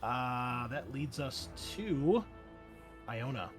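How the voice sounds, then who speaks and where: A man's voice: medium pitch, expressive, very slow. Man game master explaining over music. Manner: conversational, explanatory. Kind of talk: improvised narration of a tabletop game.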